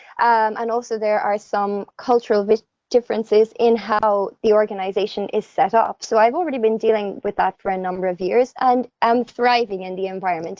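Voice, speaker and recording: A woman with an Irish accent, fairly high pitch, fairly even intonation and a fairly quick pace. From Ireland. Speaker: veterinary student, committee chair candidate. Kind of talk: candidate speech in online election. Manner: formal.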